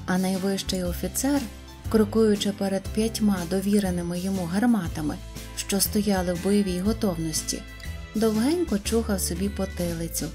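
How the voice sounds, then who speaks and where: Mellow woman reading a fairy tale. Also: mid-range voice, moderate pace. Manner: lively, expressive storytelling. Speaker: storyteller. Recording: faint music under reading.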